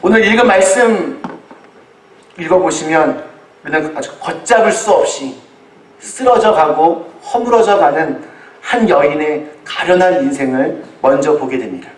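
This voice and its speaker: A man preaching a sermon as a pastor to a congregation, telling it in deliberate phrases with pauses. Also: a little high, expressive. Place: large echoey room, church service. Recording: echoey hall, distant microphone.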